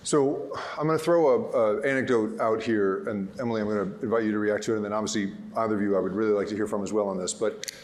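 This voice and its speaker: Male moderator, journalist, low voice, halting question style. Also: a little mellow. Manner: hesitant, restarts questions. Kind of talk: moderating a panel discussion. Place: conference stage.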